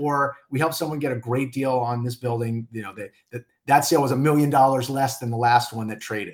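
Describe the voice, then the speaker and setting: A man in a normal speaking voice talks with an American accent at a medium pitch and a fairly quick pace, with hardly any pauses. His intonation is fairly even while his loudness swings widely. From US South, New Orleans. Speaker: real estate agent. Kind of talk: interview.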